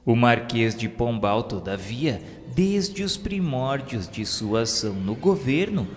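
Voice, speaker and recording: Slow, solemn Brazilian male narrator in long reverb. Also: medium pitch. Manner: formal, measured, declamatory. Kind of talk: solemn scripted narration of a radio novela. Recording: long reverb, music behind. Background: music.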